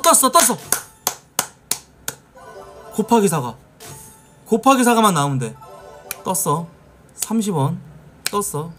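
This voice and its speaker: Excitable man streaming, swinging pitch. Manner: swearing, excitable, shouts at wins. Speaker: game streamer. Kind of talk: casual live game streaming. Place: small indoor streaming room. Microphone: desk mic in gaming chair, webcam framing.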